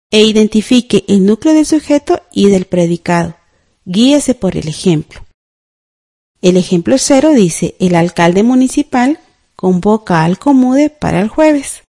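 A mellow, warm-toned woman leads a scripted radio grammar lesson. She goes step by step, spells words out and checks in with little "ujú" and "¿verdad?" prompts. Her pitch sits in an ordinary middle range. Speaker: radio teacher.

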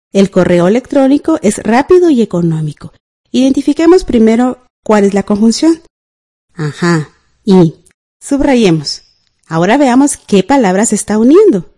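A woman teaching a grammar lesson for radio class, calmly guiding listeners through each exercise. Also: mid-range voice. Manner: calm, guides exercises step by step with "ajá".

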